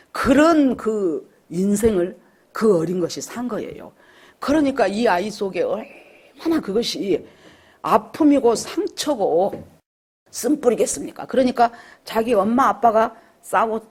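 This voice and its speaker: A woman pastor in middle age delivers a sermon with a lively, swooping pitch. Her voice is slightly husky, and she keeps turning to the congregation with questions. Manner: animated, rhetorical questions to the congregation.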